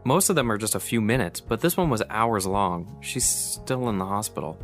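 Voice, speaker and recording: A man's voice: lowish voice, very animated, moderate pace, soft background music. An actor playing a weary, evasive man in an audio drama, hesitant as he talks. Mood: tired, evasive. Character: worn-out, evasive man brushing off a friend.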